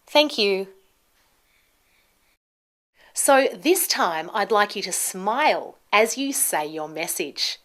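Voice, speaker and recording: Woman, thirties, pronunciation teacher, slow pace, careful enunciation, marked stress, scripted lesson to camera. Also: medium pitch, animated, fairly bright tone. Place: small indoor studio with plain backdrop.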